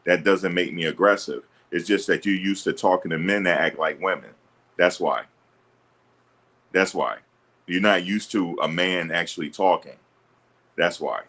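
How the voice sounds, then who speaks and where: A man with a very low, deep voice talks straight into his streaming mic. He answers his chat bluntly and sounds sure of himself, assertive and ready to push back. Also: normal speed, long pauses, fairly bright tone. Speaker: livestream host. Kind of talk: livestream commentary answering chat. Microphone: streaming setup.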